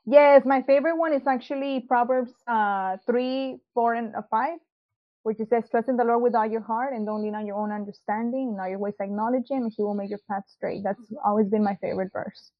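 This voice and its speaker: A woman's voice: on the high side, fairly even intonation, fairly quick. A young woman from Mexico, raised in South Texas, giving a casual personal testimony as an interview guest, hesitant and full of ums and likes. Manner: hesitant, many ums and likes, laughs easily. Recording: dull lo-fi sound.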